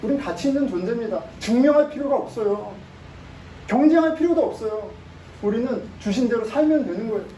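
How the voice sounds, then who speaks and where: A male pastor delivers a sermon in a mellow, darker voice, pressing his points and firing rhetorical questions at the congregation. He is picked up from some distance in a reverberant church sanctuary, with faint ambient noise underneath. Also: very high voice, animated, fairly quick. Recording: echoey room, mic at a distance.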